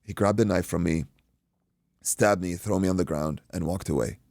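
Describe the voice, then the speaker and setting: Podcast guest, Iraqi-born man, deep and gravelly, animated storyteller who swears freely. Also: normal speed, no echo. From Iraq. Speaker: guest, boxing coach. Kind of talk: casual storytelling.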